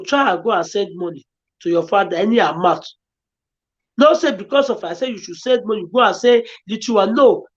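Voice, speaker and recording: A woman with a Nigerian accent talks earnestly, pleading and repeating herself as she gives advice. Her voice sits at an ordinary pitch for a woman. The audio is dull and lo-fi. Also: slightly rough. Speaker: guest. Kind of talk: emotional advice-giving chat.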